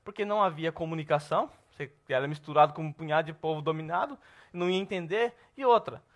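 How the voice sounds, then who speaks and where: A Brazilian man teaching a Bible class at church, lively and asking the class questions. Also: on the high side, quick pace. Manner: lively, asks the class questions, says "tá bom?" often.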